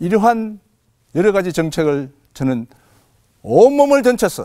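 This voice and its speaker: Pitched high for a man, this man's voice moves through very wide pitch swings. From rural Korea. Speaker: lawyer, bar association president candidate. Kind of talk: campaign policy speech. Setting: broadcast studio debate. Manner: formal.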